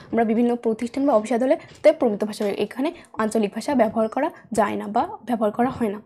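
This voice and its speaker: A woman's voice: a little high, mellow. A young woman with a standard Bangladeshi Bengali accent, teaching a school lesson and patiently repeating her points. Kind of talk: classroom lesson narration. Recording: faint background noise with clicks.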